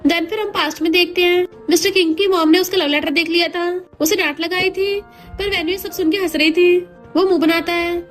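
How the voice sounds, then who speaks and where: Very high-voiced woman retelling a drama. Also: steady tone, a little fast, soft background music. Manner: chatty, mixes in English words. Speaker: drama recap narrator.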